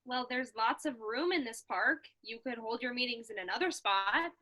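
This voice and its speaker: A woman playing a prim, excitable and easily indignant girl club leader in a comedy sketch, with pompous, formal declarations. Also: fairly high pitch, moderate pace. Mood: reasonable. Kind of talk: comedy sketch staged reading.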